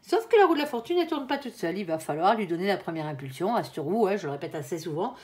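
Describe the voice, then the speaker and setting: A woman's voice: fairly low pitch, very animated, fast talker, a little mellow. A woman giving a casual tarot reading to her viewers. She talks in a loose, colloquial way, fills her speech with little tag words, and thinks aloud and corrects herself as she turns over cards. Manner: chatty, colloquial, full of "hein" and "euh" fillers, addresses the viewer as "mon ange"; thinks aloud while turning cards, with self-corrections and laughs. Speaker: tarot reader.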